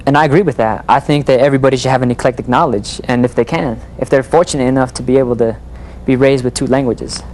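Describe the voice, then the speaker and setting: A man from Chicago speaking in an unscripted group discussion, phrasing deliberately and with emphasis. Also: mid-range voice, fairly even intonation, a little mellow, poor audio. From Chicago, United States. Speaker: discussion participant. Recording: noticeable background room noise.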